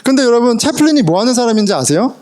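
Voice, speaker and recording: A man's voice: very high-pitched, rapid-fire. A middle-aged man preaching a sermon as pastor, telling personal stories with laughter and English words mixed in. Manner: animated storytelling, laughs often, mixes in English words. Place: church sanctuary.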